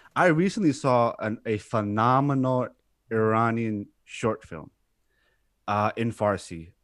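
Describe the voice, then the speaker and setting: Over a silent background in a very clean recording, a man with an American accent speaks at medium pitch and a fairly slow pace, with ordinary pitch variation. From New York, US. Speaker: co-host. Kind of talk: casual discussion.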